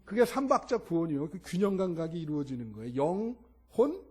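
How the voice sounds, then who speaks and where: A man preaching a sermon as pastor, shifting between loud emphatic exclamations and quiet asides. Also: on the high side, big pitch swings, fairly quick, husky.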